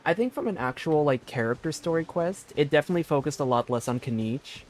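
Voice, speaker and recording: A man's voice: on the high side, expressive, fast. A man giving casual live gaming commentary as a streamer, informal and thinking aloud in a meandering way. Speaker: game streamer.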